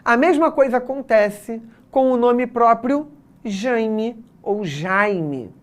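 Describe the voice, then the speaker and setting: A woman with a Brazilian Portuguese accent runs an exam prep lesson, walking through the material step by step and checking in with her students. Her voice sits on the high side, and she takes her time.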